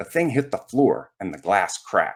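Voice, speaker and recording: A man with a Southern US accent talks at a moderate pace, his pitch swinging very widely. The recording is very clean, with a silent background. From Louisiana, US South. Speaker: children's author and counselor educator. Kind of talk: casual introduction; reading aloud a children's book. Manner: hesitant, many fillers.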